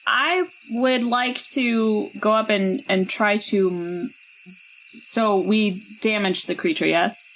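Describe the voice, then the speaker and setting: A woman's voice: mid-range voice, takes it slowly, a bit bright, rough recording. A woman player in a tabletop role-playing game, chatting casually and improvising in a laid-back, hesitant, slangy way. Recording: faint noise with night insects and owls.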